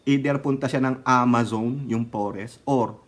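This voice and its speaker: A man's voice: mid-range voice, steady tone, a little slow. A man with a Filipino accent giving sarcastic, casual commentary in a vlog, laughing often and breaking into bits of song. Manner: laughs often, sings snatches of songs. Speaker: political commentary vlogger.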